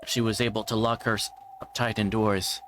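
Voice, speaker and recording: A man's voice: on the low side, level tone, moderate pace, a bit bright, a little hiss or hum. A man reading a visual novel's narration aloud on a livestream, in a storytelling style. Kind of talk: dramatic read-aloud narration of a game script.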